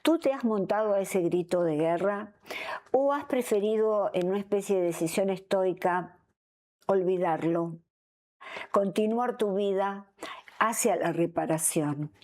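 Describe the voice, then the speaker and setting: A woman's voice: medium pitch, unhurried, mellow. A woman hosting an interview, explaining things conversationally and often checking for agreement with short tag questions. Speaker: interview host.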